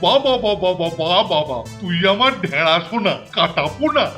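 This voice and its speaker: A man's voice: sits high, sing-song, normal speed, music in the background. A man voicing a pompous, doting middle-aged hostel superintendent in a comic cartoon, effusive and given to repeating himself. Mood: gushing, doting. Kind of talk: exaggerated cartoon acting.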